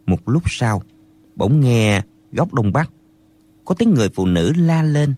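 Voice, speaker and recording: A man narrating a martial arts novel as an audiobook in an expressive storytelling manner, close to the mic. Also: medium pitch, unhurried.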